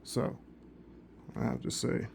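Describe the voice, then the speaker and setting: A man's voice: takes it slowly, a little mellow. A man casually demoing a phone's translation feature in a vlog. He rambles, restarts often and keeps earnestly urging viewers. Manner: rambling and repetitive, with frequent restarts. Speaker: vlogger reviewing a phone. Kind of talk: casual product demo.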